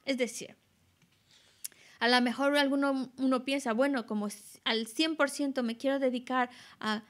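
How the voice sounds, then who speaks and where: A woman explaining Buddhist teachings as an interpreter, in a measured way with many restarts. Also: high-pitched, fairly even intonation.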